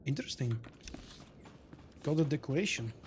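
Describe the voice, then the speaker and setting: A man's voice: medium pitch, animated, normal speed, slight background noise. A man from Bulgaria with a heavy Bulgarian accent, chatting casually while streaming a game; Bulgarian is his native language. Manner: casual, chatty, self-deprecating. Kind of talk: live gameplay commentary. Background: game music.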